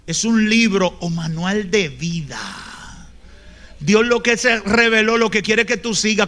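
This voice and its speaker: A Dominican-accented male pastor delivering a sermon in a high, piercing voice that cuts through sharply. He builds to shouted peaks, then drops to near whispers, and acts out the people he tells stories about. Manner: swings from loud shouting to soft whispers.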